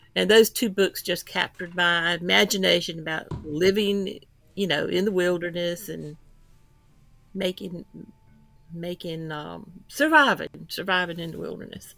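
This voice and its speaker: Music plays in the background as a woman speaks at a fairly slow pace, her pitch fairly low with ordinary pitch variation. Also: big swings in loudness. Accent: American. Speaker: author and freelance writer. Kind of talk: casual interview.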